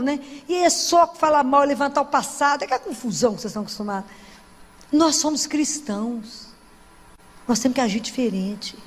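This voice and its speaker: Brazilian woman, pretty high voice, chatty church sermon, long echo. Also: a little mellow. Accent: Brazilian Portuguese. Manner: chatty, with frequent tag questions and restarts. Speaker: Catholic lay preacher. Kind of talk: conversational sermon.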